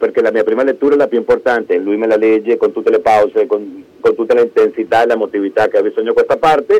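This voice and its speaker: Someone speaks very fast with a Spanish accent. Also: man, hardly any pauses. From Venezuela, Caracas. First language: Spanish (speaking Italian). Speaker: actor. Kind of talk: casual chat. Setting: phone call.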